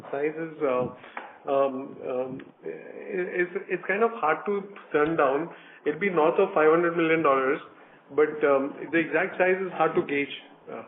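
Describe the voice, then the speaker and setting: A man speaking as a company executive, answering analysts cautiously, with hesitant pauses. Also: a little high. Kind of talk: answering analyst questions on an earnings conference call. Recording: noisy narrow phone line.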